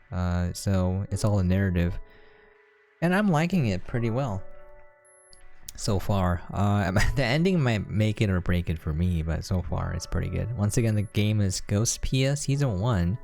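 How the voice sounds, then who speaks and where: A video game reviewer and channel host gives casual, unscripted gameplay commentary in a rambling, chatty way. His voice is on the low side with a darkish tone, and background music plays.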